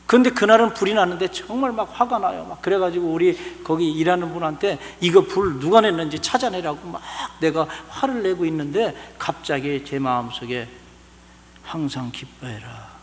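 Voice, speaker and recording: Male pastor, lively sermon delivery, higher voice, reverberant church hall recording. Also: brisk, hardly any pauses. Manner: animated preaching with sudden loud and soft swings.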